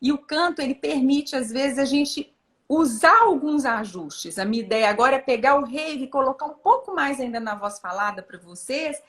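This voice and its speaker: A woman's voice: sits high, expressive, normal speed, fairly bright tone. A woman from Brazil, a voice coach, explaining vocal work in an encouraging, casual teaching chat. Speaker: voice coach hosting a live chat.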